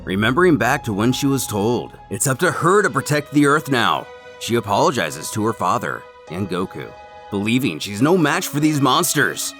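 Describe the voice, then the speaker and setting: A man delivers scripted recap narration with dramatic emphasis. His mid-pitched voice moves up and down in a lively way, with faint music playing behind him. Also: normal speed.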